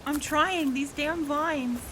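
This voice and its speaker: An actress as an earnest young woman in an audio drama, practical and direct. Her voice is high, and clear background ambience surrounds it. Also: slow pace, sharp tone, slight background noise, full character voice. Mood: urgent.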